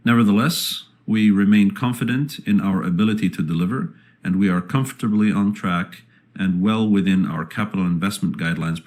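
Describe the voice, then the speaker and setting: A man speaking as a company executive, reading a scripted earnings presentation in a formal, measured manner. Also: sits low, a little mellow.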